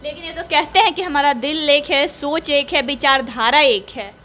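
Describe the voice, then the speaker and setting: Female interviewer, very high, bright, persistent questioner. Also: normal speed. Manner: probing, pressing follow-up questions. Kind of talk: political interview.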